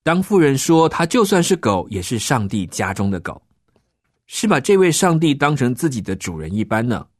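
A man tells a children's story in a lively, animated voice that rises and falls a lot. He explains things gently and ends sentences with soft particles. The recording is dry and close, with no room echo. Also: medium pitch, normal speed. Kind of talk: scripted children's Bible story narration.

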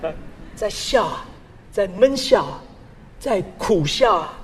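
A man preaching a sermon as a pastor, animated and full of rhetorical questions. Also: high voice, slow pace, in a large hall, a little hiss or hum.

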